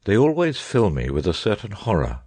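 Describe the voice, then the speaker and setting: A man reading the lines of a grave, lecturing male detective in an audiobook, in a husky voice, measured and darkly earnest. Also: fairly low pitch, wildly swooping pitch, darkish tone, no room sound, heavily acted. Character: grave, brooding male detective, middle-aged.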